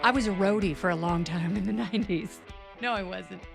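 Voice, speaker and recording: A woman guest-hosting a casual political podcast, quick and sarcastic with jokey asides. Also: medium pitch, vocal fry, music in the background. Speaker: guest host.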